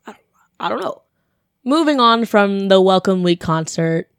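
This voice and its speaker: A young woman, a college student, telling a story in casual chat, her voice deeper than usual and a bit congested, with lots of "like" and acted-out quotes. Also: normal speed, clean tone, no room sound, clean studio sound. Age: young adult. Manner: chatty, animated, lots of "like", acts out quotes.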